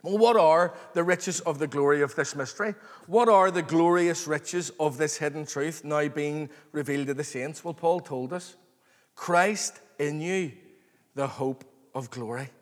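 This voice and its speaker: A man preaching an expository sermon to a congregation, earnest, excited and emphatic, repeating phrases and calling for response. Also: on the high side, unhurried. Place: large reverberant room, live before a congregation. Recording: long hall reverb.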